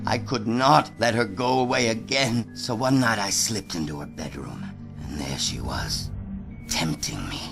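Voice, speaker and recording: An actor playing an older, guilt-ridden father in a horror game, with a creaky voice and halting, anguished, slow delivery. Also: fairly low pitch, animated. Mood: broken, confessing. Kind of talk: dramatic horror game acting. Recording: music under the voice.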